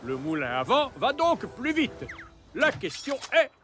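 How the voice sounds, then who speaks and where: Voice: mid-range voice, huge pitch swings, unhurried. An actor playing a chatty, self-important little robot sidekick in a children's cartoon, with pompous, mock-scientific phrasing. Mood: explaining. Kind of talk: animated children's cartoon dub. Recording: music behind the voice.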